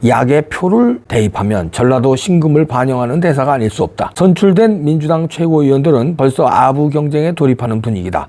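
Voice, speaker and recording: A male commentary host reading a newspaper column aloud in a measured way, dropping low at the ends of phrases. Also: warm tone.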